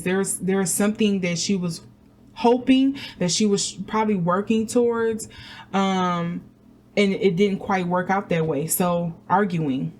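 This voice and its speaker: A woman talks her way through a tarot reading in a loose, chatty way, circling back on herself with ums and restarts. Her voice sits at an ordinary middle pitch. A faint hiss of noise runs under the recording. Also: a little mellow. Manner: chatty and meandering, full of fillers and restarts. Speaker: tarot reader. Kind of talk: casual tarot reading to camera.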